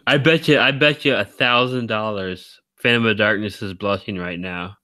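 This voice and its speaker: A man hosting a live stream, talking in a rambling, teasing way with a deep baritone voice, very tired. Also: fairly even intonation, moderate pace, sharp tone, no echo. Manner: rambling, teasing, laughs often. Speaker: stream host. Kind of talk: casual chat.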